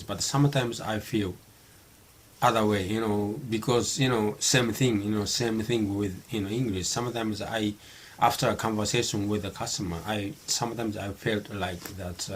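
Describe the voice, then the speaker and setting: A middle-aged man from Japan, a native Japanese speaker, talking English in a halting unscripted monologue with many fillers and restarts. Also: lowish voice, slight background noise. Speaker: vlogger practicing English.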